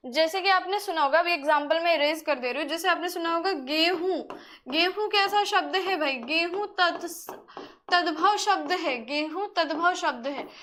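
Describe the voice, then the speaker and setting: Young woman teacher, really high voice, chatty, keeps asking the class questions. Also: moderate pace, a bit bright. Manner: rhetorical questions to students, chatty. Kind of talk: whiteboard grammar lesson.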